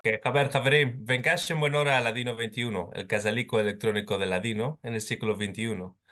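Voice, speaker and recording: A man's voice: mid-range voice, fairly even intonation, brisk, a bit bright. Attentive male interview host. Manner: attentive, frequent short backchannel sounds. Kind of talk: interview hosting. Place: home in London.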